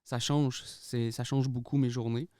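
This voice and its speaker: A man's voice: mid-range voice, level tone, unhurried, darkish tone, no echo, clean studio sound. A young man from Quebec with a Québécois accent, a guest artist in a casual podcast interview who speaks easily, laughs often and mixes in English words. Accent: Québécois French. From Quebec, Canada.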